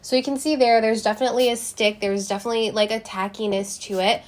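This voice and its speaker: A woman's voice: a little high, fairly even intonation, fast talker. A young woman talks casually to her viewers while trying on lipstick, explaining each step as she goes. Her voice is a little congested from a recent cold. She is recorded close to the camera in a small room. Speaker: beauty vlogger. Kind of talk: casual product review.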